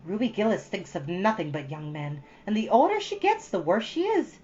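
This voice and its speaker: A woman's voice: medium pitch, huge pitch swings, moderate pace, dark tone, lo-fi sound. A woman voicing a chatty, earnest thirteen-year-old girl from a storybook, rambling with solemn drama. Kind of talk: storybook character reading.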